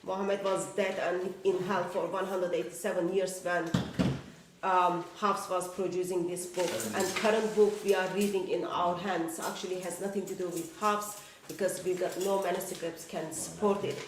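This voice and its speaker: A woman on a panel making a prepared argument in a measured, deliberate way. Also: fairly low pitch, fairly even intonation. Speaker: panel guest. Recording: roomy, distant mic, faint noise.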